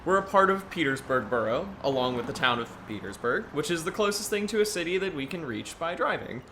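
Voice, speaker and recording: A man's voice: on the high side, animated, a little fast, bright, forceful tone, slight background noise. A man playing a playful, showy young tour guide in an audio drama, with a theatrical, mock-grand delivery. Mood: proud, presenting.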